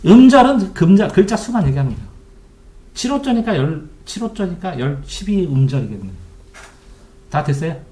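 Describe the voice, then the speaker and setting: Lively middle-aged male tutor, echoey room. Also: sits high, normal speed. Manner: lively, quizzing students with repeated questions. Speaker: Korean literature tutor. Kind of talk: online lecture answering student questions. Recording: echoey room, keyboard typing behind.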